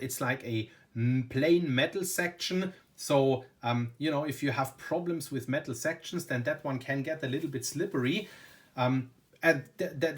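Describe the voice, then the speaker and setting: A man whose first language is German, speaking English with a German accent and casually reviewing a fountain pen at his desk, full of "very, very" and "you know". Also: medium pitch. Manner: enthusiastic, repeats "very, very" and "you know". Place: indoors at a desk.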